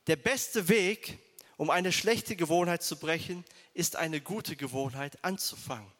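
Male pastor, high-pitched, emphatic direct-address sermon delivery, reverberant hall. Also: unhurried, fairly bright tone. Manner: emphatic, direct address to listeners, repeats key phrases.

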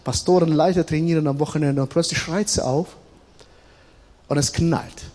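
A middle-aged man preaching a sermon, switching between loud emphatic passages and quiet, confiding storytelling. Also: fairly high pitch, steady tone, moderate pace. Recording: long reverb of a large hall.

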